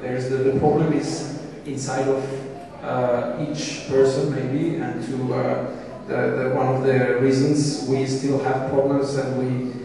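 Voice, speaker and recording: A man's voice: medium pitch, flat delivery, slow pace, creaky, a crowd in the background. Hesitant man in an echoey hall. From Georgia. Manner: hesitant, many restarts and fillers. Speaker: panelist. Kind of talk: panel discussion answer. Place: large conference hall. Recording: echoey hall, distant mic, audience.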